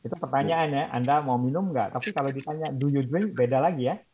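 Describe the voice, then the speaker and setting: A man's voice: medium pitch, fast, darkish tone, a little hiss or hum. Brief: male trainer, keeps asking the class questions, drops in English example lines, dull lo-fi audio. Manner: quizzes trainees, mixes in English example phrases. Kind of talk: interactive online class.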